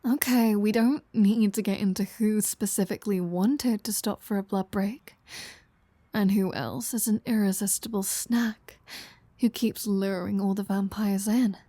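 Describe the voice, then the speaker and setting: A woman acts out a flirty female vampire, an unrepentant predator in an intimate audio roleplay. She talks slowly in a mellow, relaxed voice, teasing and sardonic with plenty of swearing. The sound is close and dry. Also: mid-range voice, no room sound, lightly acted. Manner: teasing, sardonic, foul-mouthed.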